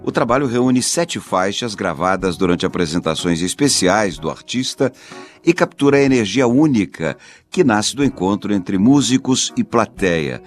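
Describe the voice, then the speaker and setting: A Brazilian man hosts a radio interview in a smooth, polished announcer style. His voice sits low. Soft music plays faintly underneath. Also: lively intonation, moderate pace. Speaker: radio host.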